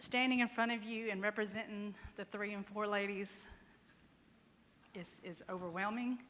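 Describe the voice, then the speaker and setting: Using a Southern US accent, a woman speaks at a moderate pace with a fairly high pitch and fairly even intonation. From US South. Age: 50s. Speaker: speech therapist. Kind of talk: conference talk. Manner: halting.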